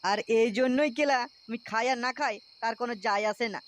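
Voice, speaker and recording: A man's voice: extremely high pitch, fairly quick. A man voicing a jealous, foul-mouthed village husband in a comic cartoon, with a West Bengal accent and a blustering, coarse, threatening manner. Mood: shocked, angry.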